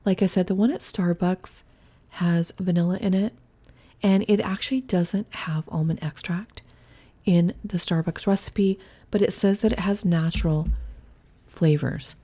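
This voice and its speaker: A woman's voice: fairly low pitch, fairly even intonation, unhurried, mellow. A woman hosting a home cooking vlog, chatting through each step in a casual, thinking-aloud way from her kitchen. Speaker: cooking channel host.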